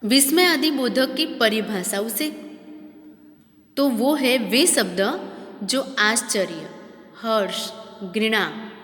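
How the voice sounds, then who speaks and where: Slow, echoey woman teaching grammar. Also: a little high, lively intonation, fairly bright tone. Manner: slow, deliberate explanation, repeating definitions; addresses children directly. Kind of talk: grammar lesson for schoolchildren. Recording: echoey room with long reverb.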